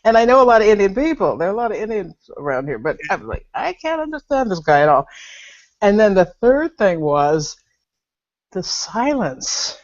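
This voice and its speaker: Through dull, lo-fi video call audio, a woman at a spiritual gathering opens up about her experience, laughing and sighing often. She has a mid-range, slightly mellow voice, and the talk is candid and personal.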